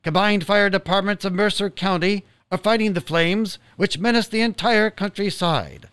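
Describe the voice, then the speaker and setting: A man's voice: high voice, a bit bright, clean tone, dry recording. A man playing an earnest radio news announcer, formally reporting a disaster in a radio drama. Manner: formal, urgent, orderly.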